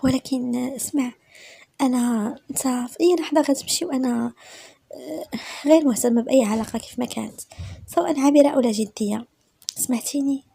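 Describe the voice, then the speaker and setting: A woman's voice: sits high, a little fast, vocal fry, long pauses, warm tone, breathy edge, dry recording, full character voice. A woman voicing a guarded young Moroccan woman. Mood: defensive.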